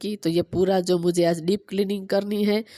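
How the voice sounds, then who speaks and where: A woman's medium-pitched voice stays monotone and flat as she talks at a moderate pace. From Gujarat, Kutch. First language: Gujarati (speaking Hindi). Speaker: homemaker vlogger. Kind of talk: casual vlog narration.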